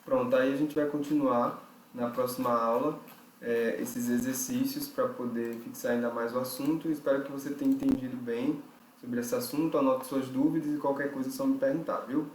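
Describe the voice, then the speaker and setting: A man teaching an English grammar lesson, explaining each step slowly and often checking with "right?". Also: medium pitch, steady tone, roomy sound, a little hiss or hum, low-quality recording. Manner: explains step by step, with frequent fillers and checks like "certo?". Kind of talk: recorded online lesson.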